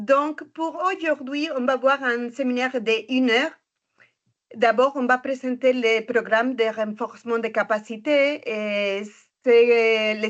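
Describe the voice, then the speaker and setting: Someone with a strong non-native accent speaks at a very slow pace, with ordinary pitch variation. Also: woman, high pitch for a woman. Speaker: staff member of an international secretariat. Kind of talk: webinar presentation. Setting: online webinar. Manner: halting, many hesitations.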